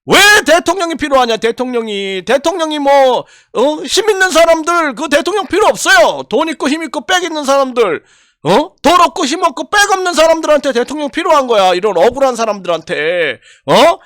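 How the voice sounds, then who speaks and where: A man's voice: very high-pitched, animated, a little fast, fairly bright tone, dry recording, studio quality. An older man giving impassioned political commentary, indignant and full of rhetorical questions and repeated phrases. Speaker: YouTube commentator.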